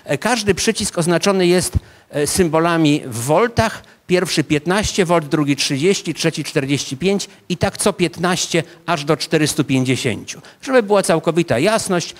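A man in his fifties, a psychology professor, giving a public lecture to a seated audience and talking them through a scene as a vivid story, with frequent hesitation fillers, on a handheld microphone in an ornate hall. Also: a little high.

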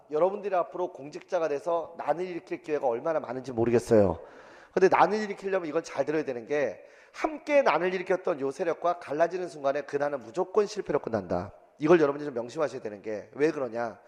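A man teaching an exam-prep history lecture in a lively, colloquial way, full of asides and rough everyday speech. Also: on the high side, long reverb tail. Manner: lively, colloquial, acts out quotes with swearing.

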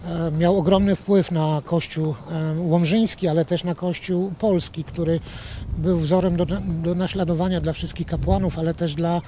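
A man in his sixties, a regional official, speaking outdoors into a handheld reporter mic, slow and measured with frequent fillers. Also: on the high side, fairly even intonation, dark tone, a little hiss or hum. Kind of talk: outdoor news interview. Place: outdoors by a church building.

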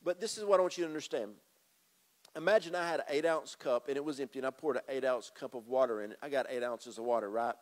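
A fast-talking middle-aged pastor with a mid-range voice preaches on a church stage with a drum kit. Holding a handheld mic, he moves and gestures, addressing the congregation emphatically and repeating phrases.

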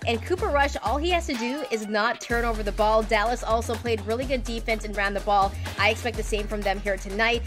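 A woman from Canada in her thirties, reporting on sports and giving betting picks in a brisk, confident, conversational way. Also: on the high side, over music. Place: home studio and arena sidelines.

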